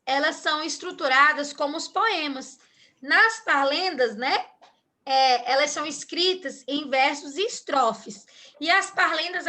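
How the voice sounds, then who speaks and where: Bright, high-voiced woman teaching slowly. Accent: Brazilian Portuguese. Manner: patient, checks understanding often. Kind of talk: online class explanation.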